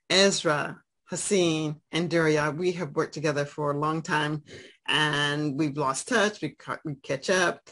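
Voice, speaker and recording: A woman's voice: low-pitched, a bit bright. Woman teaching an English class online. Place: home video call.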